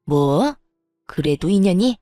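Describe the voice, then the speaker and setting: A spiteful older mother-in-law scolds and mocks in a storybook drama, as a woman narrator voices her. Her voice sits warm and mellow, recorded dry and close. Faint music plays underneath. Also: fairly low pitch, expressive, takes it slowly, no room sound. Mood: sneering. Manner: sneering, bullying, sarcastic.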